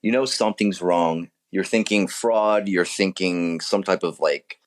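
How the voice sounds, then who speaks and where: A man's voice: low voice, measured pace. An American man, an author being interviewed, explaining things informally in casual chat. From United States.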